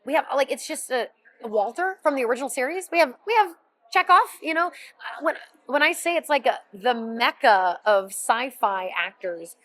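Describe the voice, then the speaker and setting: A woman's voice: sits high, animated, normal speed, a bit bright. A woman voice actress as an interview guest, chatting enthusiastically and rambling with frequent restarts. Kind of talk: interview chat.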